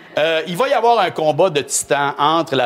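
A man speaks with a fairly high pitch and lively intonation over noticeable background noise. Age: 50s. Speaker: stage director and environmental activist. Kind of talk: interview.

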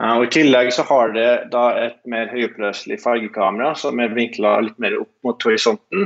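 A man speaks at a fairly slow pace with hardly any pauses. His voice sits at a medium pitch with ordinary pitch variation. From Norway. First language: Norwegian (speaking Danish). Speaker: aerospace engineer. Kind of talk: interview. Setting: Skype call.

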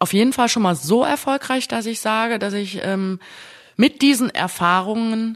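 Lively in intonation, a woman with an ordinary speaking voice talks at a fairly high pitch and a moderate pace. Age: 40s. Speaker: former café owner and author on failure. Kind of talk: interview.

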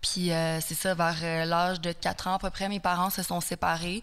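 A woman's fairly low-pitched voice in a monotone, flat intonation. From Quebec, moved around abroad as a child. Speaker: singer. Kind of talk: interview.

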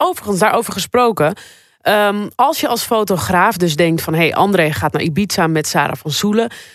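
Lively intonation at a moderate pace, an ordinary speaking voice. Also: woman, medium pitch for a woman. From Amsterdam. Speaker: entertainment podcast co-host. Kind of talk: casual chat.

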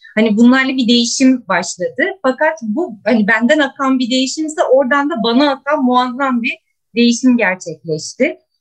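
This woman's high voice moves with lively intonation. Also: moderate pace, hardly any pauses. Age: 40s. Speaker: asparagus farmer, former corporate employee. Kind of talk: casual interview chat.

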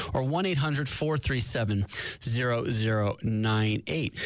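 Noticeable background noise runs under a man speaking with lively intonation. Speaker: health coach radio host. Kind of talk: call-in health advice show.

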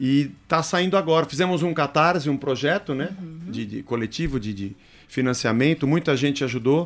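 Recorded very cleanly against a silent background, a man speaks in a plain, everyday voice. His pitch is fairly high, varying in an ordinary way, at a moderate pace. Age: 50s. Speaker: musician. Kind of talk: casual chat.

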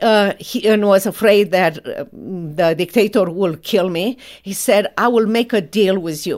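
Fairly slow yet with hardly any pauses, a woman speaks at a medium pitch with ordinary pitch variation in a very clean recording with a silent background. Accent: Romanian. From Romania. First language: Romanian. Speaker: attorney. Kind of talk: testimony.

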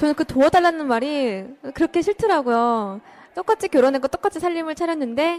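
Dry and close with no echo, a woman's voice moves at a fairly quick pace with lively intonation. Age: 20s. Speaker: working wife. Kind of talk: interview.

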